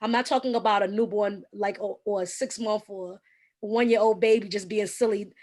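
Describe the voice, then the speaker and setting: A woman with a slightly raspy voice, a guest giving earnest, explanatory advice in an interview with frequent ums. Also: medium pitch, steady tone, normal speed, darkish tone.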